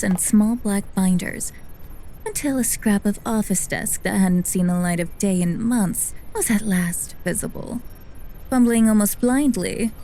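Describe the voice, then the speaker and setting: Woman acting a wry, mellow-voiced scientist narrator. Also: mid-range voice, close to an everyday voice. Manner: wry, articulate, deadpan. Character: dry, clinically amused female senior scientist narrating her memories. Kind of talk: scripted first-person audio drama narration.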